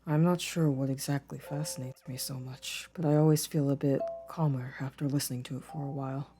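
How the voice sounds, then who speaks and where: A man playing a gentle, introspective boyfriend in an intimate ASMR roleplay, soft-spoken with careful, formal wording. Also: medium pitch, close to an everyday voice. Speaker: audio roleplay voice actor.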